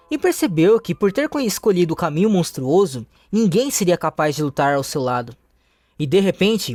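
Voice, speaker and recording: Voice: mid-range voice, a little mellow, no echo. A narrator, reading a comic story recap steadily, with small restarts. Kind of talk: recap narration, read aloud.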